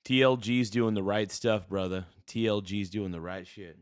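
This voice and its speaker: With a fairly low pitch, steady tone and moderate pace, this livestream host talks easily with his audience as he plays a game. He's relaxed and keeps throwing in words like "dude" and "brother."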